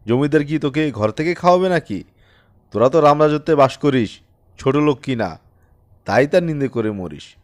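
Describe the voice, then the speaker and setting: A man voicing a haughty, callous Brahmin priest in an audiobook story, with sharp taunts and contemptuous commands. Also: on the high side, animated, normal speed, pauses often, dry recording, clean studio sound, close to an everyday voice. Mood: accusing, scornful.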